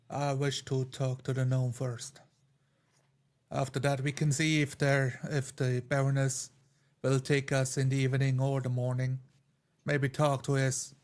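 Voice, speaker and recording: A man playing a tabletop roleplaying game, alternating in-character dialogue with descriptions of what he does. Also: mid-range voice. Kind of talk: in-character roleplay mixed with first-person narration.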